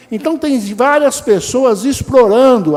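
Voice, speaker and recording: Noticeable background noise surrounds a man whose intonation is lively. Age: 60s. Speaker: city inspection director, retired police officer. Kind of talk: testimony at council hearing. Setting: council chamber session. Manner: halting.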